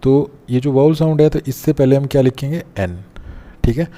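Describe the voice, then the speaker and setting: A man teaching an English grammar lesson step by step, often pausing to check that students follow. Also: mid-range voice, dark tone. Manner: explains step by step, often checks with "theek hai na". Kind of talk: classroom-style grammar lesson.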